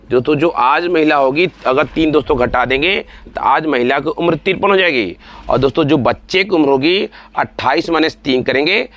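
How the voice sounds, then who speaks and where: A man's voice: on the high side, a bit bright. A man in his forties teaching exam-prep math, talking students through each step, repeating himself and calling them friends and dear ones. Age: 40s.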